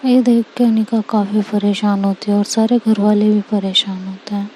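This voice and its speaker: A woman narrating a romance story in an unhurried, conversational way. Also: medium pitch, flat delivery, darkish tone, slight background noise, poor audio.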